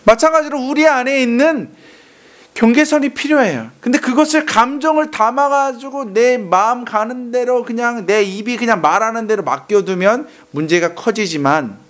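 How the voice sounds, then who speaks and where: A male pastor preaching a sermon to young adults, animated, acting out angry outbursts and asking the congregation to repeat after him. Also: extremely high pitch, moderate pace. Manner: animated, acts out angry outbursts and calls for repetition.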